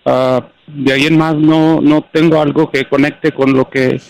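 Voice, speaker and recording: A man's voice: a little high, little pitch movement, a little slow, no room sound, rough recording. A man calling in to a radio advice show, speaking in a hesitant, subdued way as he searches for words. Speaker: radio caller. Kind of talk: phone-in conversation.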